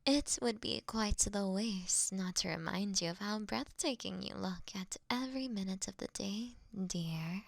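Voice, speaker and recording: A woman playing an ancient, aristocratic vampire mistress in an intimate roleplay audio drama, flirty and gently dominant, with a soft, whispery voice and formal, teasing delivery. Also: mid-range voice, gravelly, no room sound. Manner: slow, teasing, formal, elegant diction.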